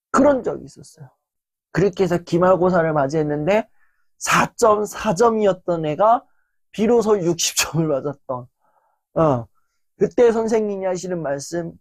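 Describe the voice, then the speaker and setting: A man giving a motivational lecture, telling school stories in an animated way with many fillers. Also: sits high, unhurried, pauses often, no room sound. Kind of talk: lecture storytelling.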